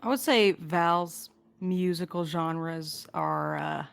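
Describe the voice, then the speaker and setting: A woman's voice: on the low side, slow pace, gravelly, clear, resonant tone. A woman co-hosting a podcast, casually answering listener questions in a joking, casually sweary way. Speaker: podcast host and crew member.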